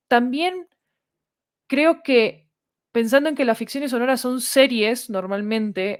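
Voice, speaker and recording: A woman's voice: mid-range voice, dry recording, clean studio sound. A woman, speaking as an interview guest and explaining ideas articulately, point by point. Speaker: interview guest, audio fiction creator.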